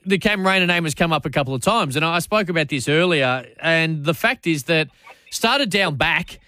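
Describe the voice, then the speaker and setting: A man's voice: on the high side, expressive, normal speed, pushed and bright, no room sound. An Australian man hosting sports talkback radio, matey and chatty, often restarting his phrases. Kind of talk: casual talkback commentary. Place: radio studio.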